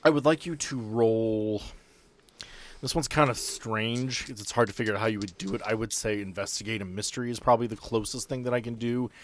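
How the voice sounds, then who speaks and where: A man's voice: on the low side, a little fast. A man acting as game master, improvising narration and guiding players through a tabletop game.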